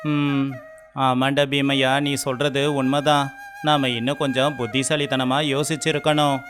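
A man's voice: mid-range voice, level tone, moderate pace, fairly bright tone, lightly acted. A man playing a lazy, foolish villager in a children's moral story, musing as he talks.

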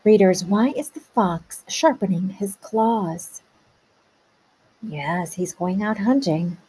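A woman teacher pausing a read-aloud to ask young children patient questions about the story. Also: mid-range voice, mellow, husky. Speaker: kindergarten teacher.

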